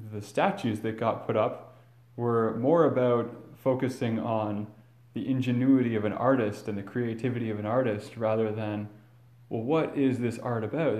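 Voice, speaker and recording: A man serving as priest, reading the Gospel and then preaching a homily in a measured, earnest way, with some fillers and restarts, recorded in a large church with cathedral echo. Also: mid-range voice, a little mellow.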